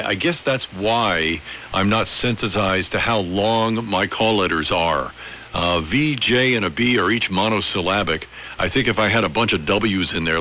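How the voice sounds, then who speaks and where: A man's voice: lowish voice, highs cut off. A man chatting unscripted as an amateur radio operator, musing and discursive, feeling his way through sentences. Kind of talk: unscripted ham radio conversation. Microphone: radio transmitter audio heard over the air. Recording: hissy, band-limited AM radio transmission.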